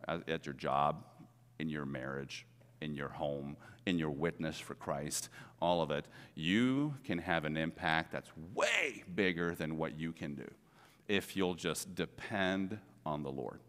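A man's voice: extremely low pitch, a little slow, a bit bright. A middle-aged man preaching a sermon as pastor, earnest and conversational, stressing points by repeating words. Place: church sanctuary. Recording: long reverb of a church hall.

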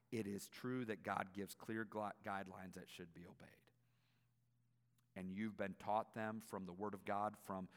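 A man preaching a church sermon as a guest, with an emphatic delivery. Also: lowish voice. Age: 40s. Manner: emphatic, swinging from quiet asides to loud exclamations. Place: church auditorium. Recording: long echo of a large hall.

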